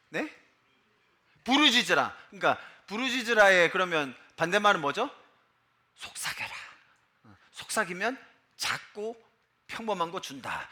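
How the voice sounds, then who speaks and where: A man preaching a sermon in a church, animated, jumping between loud declarations and hushed asides, often quizzing his congregation. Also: high-pitched. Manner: addresses the congregation directly and quizzes them. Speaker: pastor. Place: church sanctuary.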